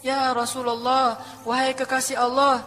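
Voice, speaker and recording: A man voicing a gentle male archangel who addresses the listener slowly and respectfully. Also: very high voice, completely flat delivery, slight background noise. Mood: solemn, tender. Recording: long hall reverb, faint music.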